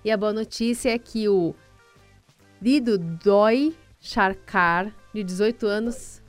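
A woman's voice: medium pitch, soft background music. Brazilian woman hosting radio news. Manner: friendly, brisk, sometimes stumbles over names. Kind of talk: news reading with light chat.

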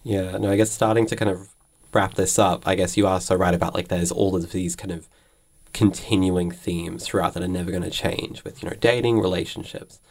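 A man's voice: sits low, fairly even intonation, brisk, a little mellow. A man conducting a conversational radio interview, phrasing his questions in an informal, tentative way.

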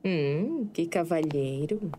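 An actress with a Brazilian accent playing a seductive, scheming nightclub singer and killer in an audio drama, coy and flirtatious. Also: female voice, low voice, lively intonation, takes it slowly, noisy background. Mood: seductive, sinister.

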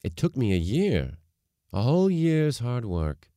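A man voicing a gentle, kindly middle-aged father in an audiobook story, quiet, understated and reassuring. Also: mid-range voice, sing-song, a little slow, smooth, dry recording, clean studio sound, voice pushed up. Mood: wryly confiding.

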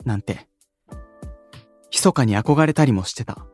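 A man playing a modest, sensitive young male idol in an anime-style audio drama, speaking softly and politely with some hesitance. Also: medium pitch, animated, a little slow, faint music behind. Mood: sincere, tender.

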